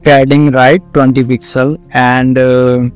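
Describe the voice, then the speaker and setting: Slow, clear South Asian man teaching. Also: medium pitch, level tone, faint music behind. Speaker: coding tutorial instructor. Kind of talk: screen-recorded tutorial, explaining step by step.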